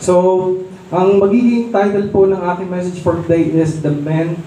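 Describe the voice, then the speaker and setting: A man's voice: high-pitched, moderate pace, mellow, roomy sound, a little hiss or hum, rough recording. A man preaching a sermon in an earnest, teaching manner. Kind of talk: Taglish sermon.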